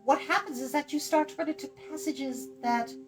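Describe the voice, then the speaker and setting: A woman's voice: high voice, moderate pace, over music, pitched above the performer's own voice, lightly acted. A woman voicing a chatty, proud and scatterbrained young enchantress girl from a storybook, breezy and haughty in manner. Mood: chattering. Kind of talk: storybook character voice.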